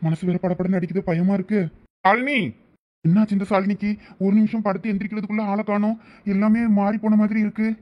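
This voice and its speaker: A man voicing a high-voiced grumbling cartoon husband with a Thoothukudi accent. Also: natural voice. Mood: panicked. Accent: Thoothukudi Tamil. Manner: grumbling asides, earnest. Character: devoted young husband, anxious and grumbling. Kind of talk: cartoon voice acting. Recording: dull lo-fi audio.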